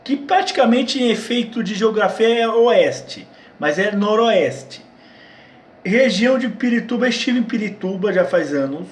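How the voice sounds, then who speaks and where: A man from Brazil chats loosely through viewer questions. He restarts his sentences often and repeats words as he goes. His voice sits fairly high, and the room around him rings with echo. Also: animated, measured pace. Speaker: channel host answering viewer questions. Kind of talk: casual Q&A chat. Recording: echoey room.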